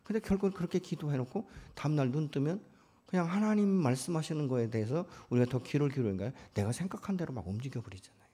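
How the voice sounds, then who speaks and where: Husky-voiced pastor guy preaching, voice swoops way up and down, keeps asking the congregation stuff. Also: on the high side, expressive, fast, warm tone. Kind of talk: sermon at a prayer meeting.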